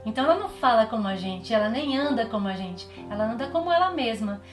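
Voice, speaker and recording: A woman's voice: on the high side, expressive, quick pace. Brazilian woman teaching vocal technique. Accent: Brazilian Portuguese. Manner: clear, demonstrative explaining. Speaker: drama teacher. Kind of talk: recorded online lesson. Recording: echoey room with faint music.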